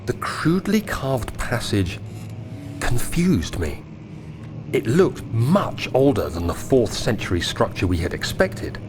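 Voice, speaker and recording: An actor with an English accent playing an earnest, anxious young gentleman explorer in a video game, with measured, literate diction. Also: medium pitch, big pitch swings, noisy background. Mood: troubled, uneasy. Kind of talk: dramatic diary narration in a video game. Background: music.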